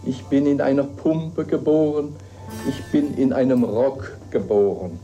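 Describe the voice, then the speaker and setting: A man's voice: medium pitch, a little slow, mellow, faint music behind, close to an everyday voice. An actor reading the words of an older male artist, with a dreamy, playful declamation. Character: Hans Arp, older male artist musing on nature. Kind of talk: dramatic reading of poetic texts.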